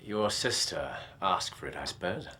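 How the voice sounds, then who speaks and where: A man playing Sherlock Holmes, crisp and deliberate. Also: low voice, lively intonation, pushed and bright, a little hiss or hum. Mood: brisk. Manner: crisp, deliberate, deducing aloud. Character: Sherlock Holmes, sharp Victorian detective, man.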